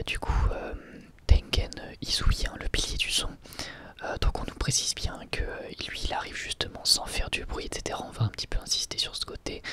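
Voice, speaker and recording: Guy whispering asmr style, breathy and soft, kinda hesitant review talk. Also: mid-range voice. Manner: hesitant, halting phrasing with frequent self-corrections. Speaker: ASMR video host reviewing anime.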